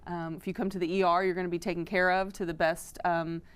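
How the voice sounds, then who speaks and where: Smooth-voiced woman from Florida. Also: fairly low pitch, little pitch movement, fast. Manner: friendly, informative, fillers like "um". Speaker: foundation executive director, guest. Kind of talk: interview answers. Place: studio.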